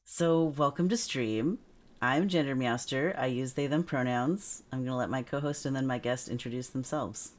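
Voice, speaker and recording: Deep-voiced woman host, upbeat and encouraging with guests. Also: over music. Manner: warm-hearted and upbeat, quick to praise. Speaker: talk show host. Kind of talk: casual chat.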